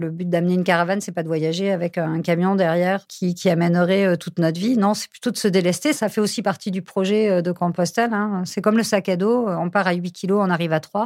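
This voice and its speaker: A woman with an ordinary speaking voice and a medium pitch talks at a fairly quick pace with hardly any pauses and fairly even intonation, on a very clean recording with a silent background. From Lot, southwest France. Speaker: hostel owner and cook. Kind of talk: interview. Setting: at her hostel.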